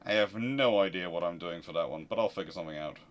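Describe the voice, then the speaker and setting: A man's voice: deep voice, fast. A man hosting a casual live question-and-answer talk, speaking emphatically and arguing through rhetorical questions. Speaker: host of a naval history channel.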